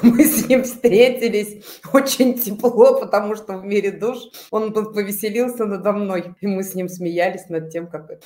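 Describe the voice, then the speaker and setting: Over noticeable background noise, a woman of medium pitch talks at a fairly slow pace with ordinary pitch variation and big swings in loudness. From Tatarstan, Russia. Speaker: past-life regression client. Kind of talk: regression session narration and interview.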